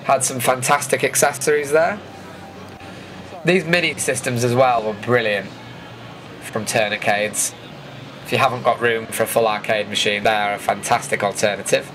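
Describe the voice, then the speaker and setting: A man's voice: medium pitch, steady tone, moderate pace, a bit bright, slight background noise. A man with a British accent giving a chatty, informal voice-over commentary as a vlogger recapping an event. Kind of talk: casual voice-over commentary on footage.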